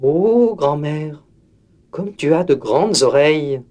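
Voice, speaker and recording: A man's voice: sits high, lively intonation, unhurried, darkish tone. A man voicing a timid, sweet little girl in a red hood in a storybook reading, in a raised, wide-eyed voice. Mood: wondering.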